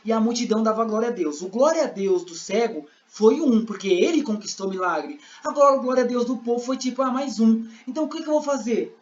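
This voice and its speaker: A man's voice: extremely high pitch, fast, few pauses. A man with a Brazilian Portuguese accent giving a classroom lesson, explaining with examples and acting out scenes. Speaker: sign language interpreting teacher. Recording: roomy, dull lo-fi sound.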